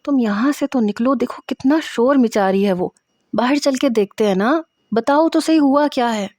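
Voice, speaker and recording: Feisty young student in a storybook reading, bossy and teasing , as a woman narrator puts her on, mellow tone. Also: a little high, no room sound, studio quality, lightly acted. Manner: bossy and sharp-tongued.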